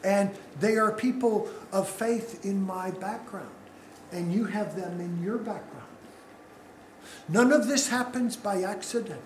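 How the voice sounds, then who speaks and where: Slow-speaking male pastor in an echoey church. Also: high-pitched, a little hiss or hum. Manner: unhurried, asks the congregation questions. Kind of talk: sermon.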